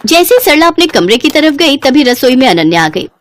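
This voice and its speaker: A woman telling a cartoon story with scripted, expressive narration. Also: sits high, fairly quick.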